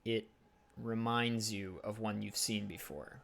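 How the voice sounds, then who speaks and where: A man narrating a tabletop game as game master, describing scenes in a relaxed way with fillers. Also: lowish voice, measured pace, gravelly, a little hiss or hum.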